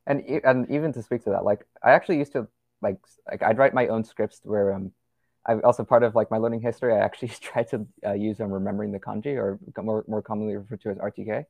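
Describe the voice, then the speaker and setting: A man's voice: fairly low pitch, fairly even intonation, fast talker, creaky, dry recording, narrow, tinny audio. A young man as a podcast guest, chatting casually and rambling with lots of fillers and restarts. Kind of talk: casual conversational interview.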